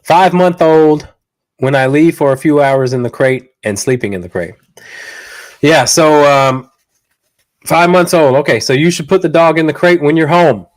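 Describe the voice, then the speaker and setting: A man's voice: a little high, normal speed. Dog trainer guy doing a live q&a, blunt and slangy, stuffy nose from a cold. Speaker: dog trainer and show host. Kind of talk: live Q&A stream.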